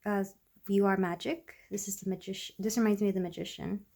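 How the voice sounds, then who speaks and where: A woman with a congested voice, recovering from illness, giving a soft, rambling tarot reading to her viewers. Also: medium pitch, steady tone, fairly quick, gravelly. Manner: soft, rambling, with many fillers. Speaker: tarot reader. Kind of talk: casual tarot reading to camera.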